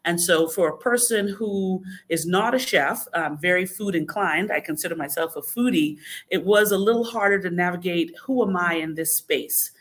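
A woman from the Bahamas with a lowish voice appears as a podcast guest. She answers interview questions in a measured, explanatory way, using frequent fillers.

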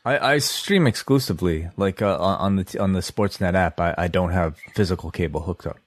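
A man's voice: sits low, brisk. A man co-hosting a podcast, chatting casually and asking teasing questions. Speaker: podcast co-host. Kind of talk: casual chat.

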